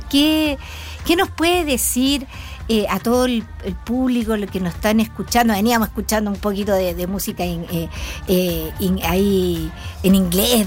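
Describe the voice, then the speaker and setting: A woman's voice: mid-range voice, a little mellow. A middle-aged woman, hosting a casual local talk show and putting questions to her guests. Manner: chatty, asks leading questions. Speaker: radio show host and town councillor.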